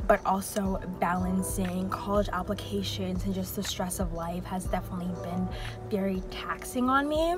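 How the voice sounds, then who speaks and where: Clear background music behind a moderately paced female voice. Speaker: high school senior vlogger. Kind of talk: casual vlog chat. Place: car. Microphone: phone near.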